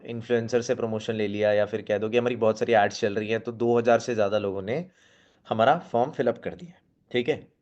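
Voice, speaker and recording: A man of ordinary middle pitch coaches a room of team members, speaking straight to them. He keeps checking whether they follow and slips English phrases into his talk. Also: darkish tone, highs cut off. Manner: coaching, checks in often with a quick question, mixes in English phrases. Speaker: network marketing team trainer. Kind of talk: live training talk to a seated team. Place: meeting room with team present.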